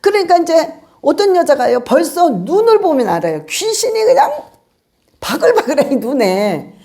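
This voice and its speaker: A woman pastor preaching a sermon, telling a story in a lively way and acting out the lines of the people in it. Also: sits high, moderate pace. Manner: lively storytelling with acted-out quotes.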